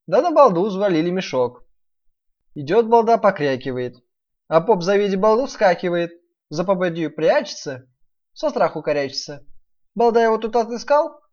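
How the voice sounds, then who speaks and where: A woman's voice: fairly low pitch, darkish tone. A woman narrating a rhymed fairy tale expressively as a storyteller. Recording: dull lo-fi recording.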